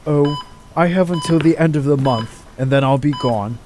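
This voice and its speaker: A man's voice: a little high, moderate pace, a little mellow, lightly acted. A man voicing a weary, embittered middle-aged doctor in an audio drama, downcast and dramatic. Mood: defeated, bitter. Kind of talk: amateur audio drama acting.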